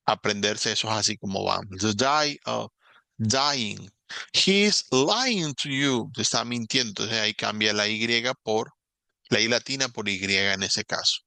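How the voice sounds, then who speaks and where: A man's voice: lowish voice, a little slow, creaky, sharp tone, dry recording. A man teaching English grammar in a recorded lesson, explaining patiently, repeating example words and checking in with his students.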